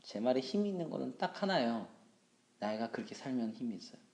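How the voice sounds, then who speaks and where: A man in his thirties, a junior pastor teaching a Bible study, animated and joking about himself. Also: quick pace, vocal fry, roomy sound. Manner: animated, acts out scolding and quoted voices with big pitch jumps; humorous, self-deprecating asides.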